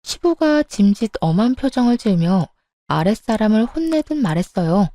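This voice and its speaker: A woman's voice: medium pitch, big pitch swings, normal speed, mellow, no echo, clean studio sound. A woman narrating a first-person radio-style story in an indignant, confiding way.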